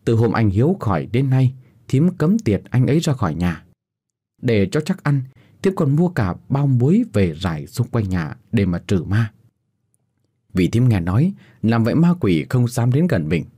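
A man narrating a first-person horror story in a dramatic, expressive way. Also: medium pitch, normal speed, slightly rough.

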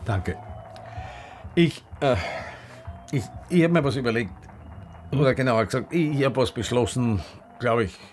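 An actor in a radio drama playing a gay bar owner in his sixties, weary, principled and defiant, with an Austrian accent and a husky voice. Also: medium pitch, animated, measured pace, pauses often, a little hiss or hum, close to an everyday voice. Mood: hesitant. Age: 60s. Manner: dialect-tinged, impassioned, reflective. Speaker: lead actor and narrator. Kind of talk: radio drama acting and first-person narration.

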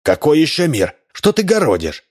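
Man voicing a scared fussy double, pitched up a little, panicky. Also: huge pitch swings, moderate pace. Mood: wary. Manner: fearful, fussing. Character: panicky timid middle-aged male double.

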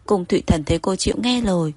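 A woman narrating a romance story in a steady, even reading. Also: mid-range voice, fast talker.

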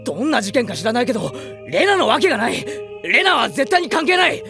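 A woman's voice: on the high side, sing-song, fairly quick, over music. A woman voicing a hot-blooded, loyal teenage schoolboy in an audio drama, with blunt boyish speech. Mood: indignant. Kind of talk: Japanese audio drama acting.

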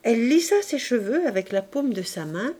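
Woman reading a novel aloud, measured. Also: a little high, sing-song, dark tone. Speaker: audiobook reader. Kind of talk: scripted narration.

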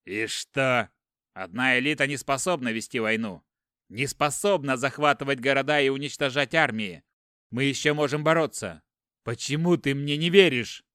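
A man's voice: mid-range voice, normal speed, smooth, no room sound, clean studio sound, lightly acted. A man voicing an enraged captive warrior lord. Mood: pleading. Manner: shouting accusations, defiant. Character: furious captive warrior lord, grown man, hot-tempered.

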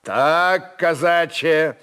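A man voicing a Cossack leader in a storybook reading, gruffly affectionate, speaking in short, repeated exclamations. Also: on the high side, extremely slow, a bit bright, voice pushed up. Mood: gruff joy. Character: battle-worn Cossack leader greeting his family, gruffly tender. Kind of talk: dramatic literary reading.

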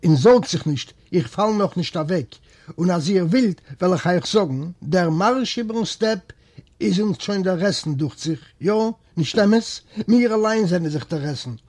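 A man voicing a worn-out male prisoner telling his story in a raised, louder tone with a husky voice. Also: high-pitched, animated, unhurried. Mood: earnest.

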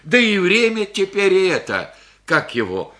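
An actor playing a humble elderly village grandfather, a war veteran, who speaks slowly and hesitantly in rustic speech. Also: sits high, huge pitch swings, fairly bright tone, exaggerated voice. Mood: resigned. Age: older. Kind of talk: radio play acting.

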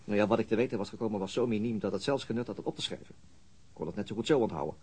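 Low-voiced, weary police detective. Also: male voice, racing, darkish tone, breathy edge. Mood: uneasy, wry. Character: male police detective, weary, dry, recounting being shadowed. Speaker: actor in a radio crime drama. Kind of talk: radio drama acting, narrating and dialogue. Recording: noisy older radio drama recording.

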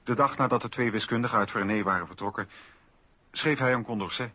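A man narrating a radio play from a script in a measured, documentary manner. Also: medium pitch, pushed and bright. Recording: dull lo-fi old radio recording.

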